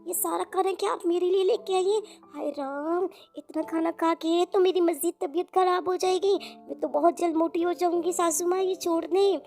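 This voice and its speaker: A woman's voice: very high-pitched, fairly even intonation, moderate pace, creaky, few pauses, darkish tone. A woman voicing a whiny young cartoon bride. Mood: complaining. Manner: whiny, dramatic. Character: young newlywed bride, fussy, overfed and complaining. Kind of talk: Hindi cartoon voice acting. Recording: background music.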